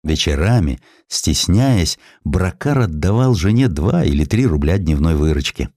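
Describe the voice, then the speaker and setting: A man's voice: sits low, lively intonation, measured pace, mellow, no echo, clean studio sound. A man narrating a historical essay as a scripted audiobook, reading expressively and acting out the quotes.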